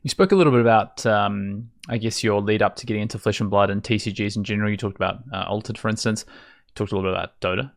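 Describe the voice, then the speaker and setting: A man's voice: lowish voice, steady tone, quick pace, vocal fry. A man in his thirties hosting a casual interview over a video call, feeling his way through his questions. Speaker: podcast host, interviewer. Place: home bedroom, indoors.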